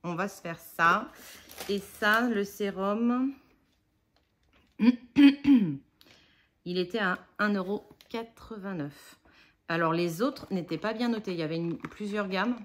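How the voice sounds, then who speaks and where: A woman's voice: medium pitch, expressive, slow pace, pauses often, slight background noise. A woman in her forties chatting casually in a haul vlog, rambling and self-mocking, with many fillers. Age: 40s. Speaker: budget haul vlogger.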